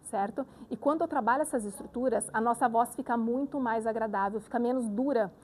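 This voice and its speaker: High-voiced woman giving a voice workshop. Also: brisk, a little hiss or hum. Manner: animated, demonstrative, addresses audience with frequent "tá?". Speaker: speech therapist giving a talk. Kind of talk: live lecture with voice exercises. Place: lecture room with audience.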